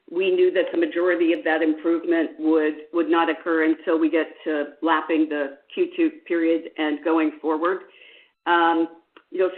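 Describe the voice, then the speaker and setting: A woman company executive giving measured business answers on an earnings call. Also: on the low side. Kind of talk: business answers, semi-scripted. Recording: muffled phone-line conference call.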